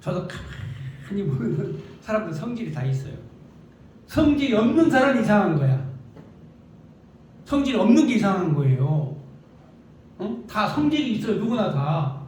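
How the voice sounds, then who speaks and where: High-voiced preacher in an echoey room. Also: male voice, very animated, moderate pace, pauses often, a little mellow, a little hiss or hum. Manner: emphatic, with rhetorical questions and repeated "응?". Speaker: pastor. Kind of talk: sermon. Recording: echoey room picked up from a distance.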